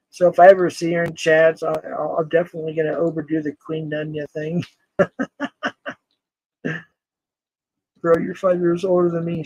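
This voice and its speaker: Guy in his 40s chatting on his livestream, kinda high voice, laughs a lot, reads chat. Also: a little mellow, no echo, low-quality recording. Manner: rambling, laughs often, talks to chat by name. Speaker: livestream host. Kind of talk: casual livestream chat reading comments.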